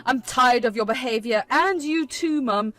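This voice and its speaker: A firm, frustrated young husband, voiced by a woman narrator with a high voice that stays loud and insistent. He holds his ground and demands answers. This is a storybook reading with faint music underneath. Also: normal speed, natural voice. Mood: angry.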